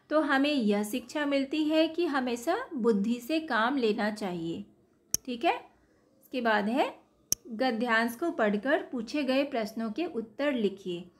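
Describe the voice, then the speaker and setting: A woman going patiently, step by step, through a school workbook as a teacher. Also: sits high. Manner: patient, step-by-step, repeats "ठीक है". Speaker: teacher solving workbook exercises.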